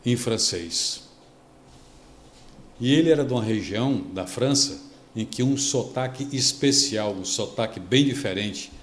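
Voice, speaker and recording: A Brazilian man, a pastor, telling a story on a devotional podcast, lively and acting out the people he quotes. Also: mid-range voice, a little slow, echoey room, slight background noise. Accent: Brazilian Portuguese. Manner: animated storytelling, acts out quoted speech.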